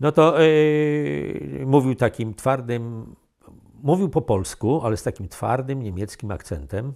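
Against a quiet background, a man speaks at a very slow pace, his pitch swinging very widely. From Gdańsk, northern Poland. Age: 70s. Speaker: local resident sharing memories; interviewee. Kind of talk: oral history interview; interview answer. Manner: halting. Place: home room. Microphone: lapel.

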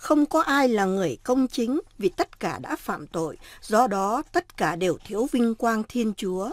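A woman speaks very slowly at a fairly high pitch, her voice swinging very widely up and down, with dry sound, no echo and a quiet background. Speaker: radio presenter. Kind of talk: scripted narration. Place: studio. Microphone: studio mic.

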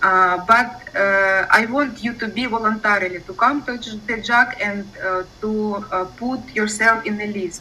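Someone with a Ukrainian accent talks at a fairly slow pace with fairly even intonation over light background noise. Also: woman. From Ukraine. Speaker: witness, abuse survivor. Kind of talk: testimony. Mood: serious, earnest, hesitant. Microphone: video call.

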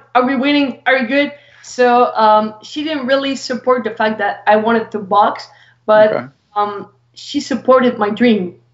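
A high-pitched woman's voice at a moderate pace with fairly even intonation, audible room echo and a quiet background. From Quebec. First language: French. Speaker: professional boxer. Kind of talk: casual interview. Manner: hesitant, many fillers. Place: home room. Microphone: video call.

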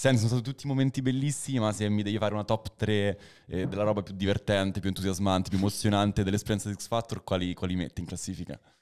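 A man with a fairly low pitch rattles along at a very fast pace with ordinary pitch variation. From Marche, central Italy. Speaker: radio host. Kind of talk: casual interview chat. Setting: studio.

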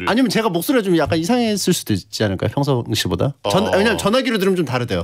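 A man talks at a very fast pace with a high pitch and very wide pitch swings. His loudness stays very even over noticeable background noise. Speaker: radio show guest. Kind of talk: casual radio talk. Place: studio. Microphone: studio mic.

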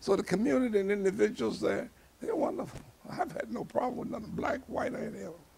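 Noticeable background noise runs through this clip. Over it, a man talks at a fairly quick pace. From US South, Mississippi. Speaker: barber. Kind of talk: oral history interview. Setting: barbershop.

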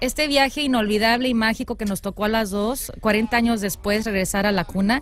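Delivered at a fairly quick pace with hardly any pauses, the speech has ordinary pitch variation and a dry sound with no echo. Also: woman, fairly high pitch for a woman. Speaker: radio host. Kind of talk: casual radio banter. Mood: warm, emotional, grateful. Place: studio. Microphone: studio mic.

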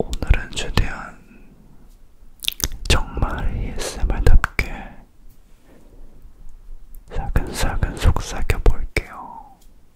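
A man whispers at a very slow pace, with a gentle tone. Long pauses come often between his words. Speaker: ASMR creator. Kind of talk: ASMR whisper. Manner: gentle intimate whisper. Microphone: studio mic.

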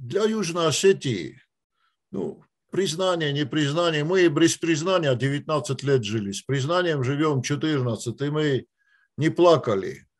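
Speaking very slowly, a man uses a fairly high pitch and lively intonation against a quiet background. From South Ossetia. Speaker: co-host. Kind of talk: discussion. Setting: video call. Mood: regretful, earnest. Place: home room. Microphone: video call.

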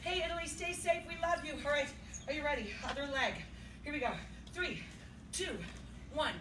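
Against noticeable background noise, a woman with a high voice and an American accent speaks with ordinary pitch variation. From US Midwest, Minnesota. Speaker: fitness instructor. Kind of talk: live workout coaching with countdowns and cues. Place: garden. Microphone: camera far.

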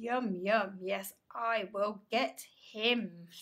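A woman with a medium pitch puts on a character voice. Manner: scary.

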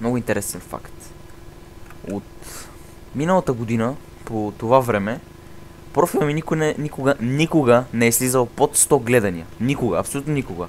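The speaker goes at a moderate pace with ordinary pitch variation and long, frequent pauses. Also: man. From Bulgaria, Sofia. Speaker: gaming YouTuber. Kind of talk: gameplay commentary monologue. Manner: halting, repeats words.

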